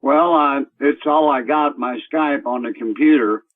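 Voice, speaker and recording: A man calling in to a radio talk show on speakerphone through a computer call, rambling and halting with many fillers. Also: on the high side, vocal fry. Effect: on speakerphone over a computer call. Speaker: caller. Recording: tinny phone-like line.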